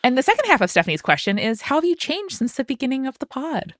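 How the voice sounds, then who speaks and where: A woman's voice: high-pitched, sing-song, fast, no room sound, clean studio sound. A woman co-hosting a podcast, talking in a wry, upbeat way and reading out listener questions. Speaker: podcast co-host. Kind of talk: casual podcast chat.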